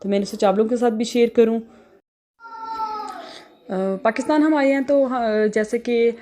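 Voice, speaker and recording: A young woman from Pakistan with a Pakistani Urdu accent, chatting casually in a home vlog with many filler pauses. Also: fairly high pitch, steady tone, dark tone. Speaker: vlogger.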